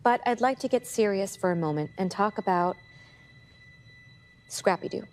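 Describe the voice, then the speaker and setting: A woman's voice: medium pitch, moderate pace, soft background music, lightly acted. A woman playing a chirpy host of a TV reunion special in scripted presenting style.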